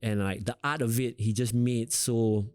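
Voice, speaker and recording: A rapper from Singapore, a young adult man with a Singaporean English accent, gives a loose, rambling interview full of fillers. His voice sits at medium pitch with a clean tone, and he moves at a moderate pace. The recording is dry.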